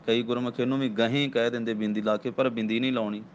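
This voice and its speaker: A man's voice: medium pitch, fairly even intonation, slight background noise. A man with a Punjabi accent teaching scripture recitation line by line, patiently correcting pronunciation and demonstrating each phrase. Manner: patient, corrects word by word, slow chanted demonstration. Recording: dull lo-fi recording with faint ambience.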